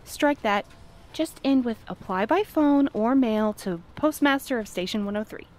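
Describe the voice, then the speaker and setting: A woman's voice: on the high side, lively intonation, normal speed, darkish tone, a little hiss or hum, close to an everyday voice. A woman playing a prim, well-meaning courier in an audio drama, speaking in an earnest, careful, businesslike manner. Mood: businesslike, flustered. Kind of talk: naturalistic audio drama acting.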